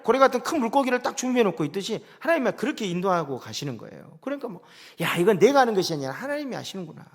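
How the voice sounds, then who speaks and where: A middle-aged pastor with a voice that sits high preaches a dramatic sermon, swinging from loud declarations to soft asides.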